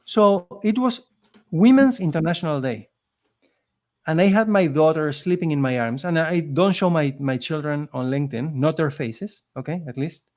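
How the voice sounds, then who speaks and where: A man's voice: fairly high pitch, moderate pace, darkish tone. Earnest man with a foreign accent. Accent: non-native accent in English. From immigrant living in Canada. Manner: earnest, emphatic, motivational. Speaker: podcast guest. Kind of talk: conversational storytelling.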